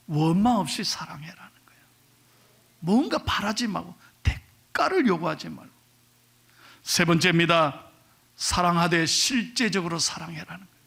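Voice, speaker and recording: A middle-aged man preaching a sermon to his congregation, animated, dropping to a whisper for emphasis and acting out the voices he quotes. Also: sits high, vocal fry. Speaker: pastor.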